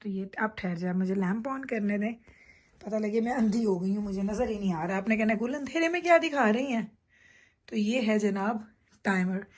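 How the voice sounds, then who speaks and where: A vlogger with a medium-pitched, darkish voice speaks steadily at normal speed during a nighttime bedroom tour. She films on a handheld phone indoors, chatting informally with viewers and showing them her things.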